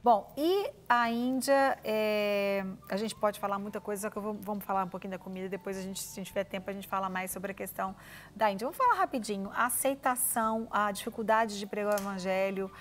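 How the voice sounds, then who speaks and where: A woman's voice: medium pitch, a little fast. A middle-aged woman hosting a TV cooking show, chatty and affectionate, full of little interjections. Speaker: TV show host. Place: TV studio kitchen set.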